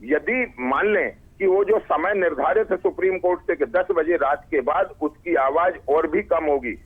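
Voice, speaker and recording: High-voiced Indian man on a tinny line. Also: normal speed, slightly rough. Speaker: political party spokesperson. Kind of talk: TV debate argument. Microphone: remote call link. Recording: tinny narrowband phone-like line.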